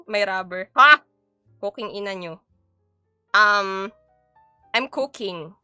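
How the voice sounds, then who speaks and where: A woman's voice: mid-range voice, pushed and bright, clean tone, no echo, studio quality. A young Filipino woman with a mixed Filipino accent, chatting playfully on a live stream while she cooks and switching between Tagalog and English. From Philippines. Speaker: VTuber streamer. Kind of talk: casual live-stream chat while cooking.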